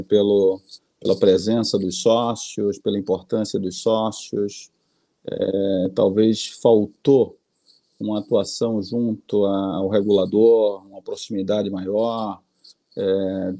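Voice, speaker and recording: Gravelly dark-voiced Brazilian man. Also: on the low side, no room sound. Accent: Brazilian Portuguese. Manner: hesitant, repeats words, ends points with "tá?". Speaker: investor and board adviser. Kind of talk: panel discussion, conversational.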